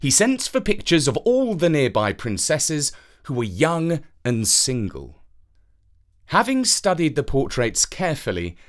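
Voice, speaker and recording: A storyteller reading a scripted children's fairytale with expressive, careful phrasing. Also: medium pitch.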